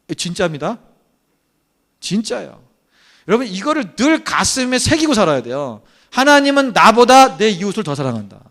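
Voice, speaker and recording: A man's voice: high voice, normal speed. A man preaching a sermon as pastor, acting out quoted complaints and often calling out to the congregation. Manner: animated preaching, acts out quoted complaints, keeps addressing the congregation. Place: church.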